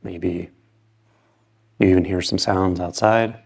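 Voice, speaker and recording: Male meditation guide, deep gravelly voice, calm, unhurried pauses, even tone. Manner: slow, calm, with long pauses between short phrases.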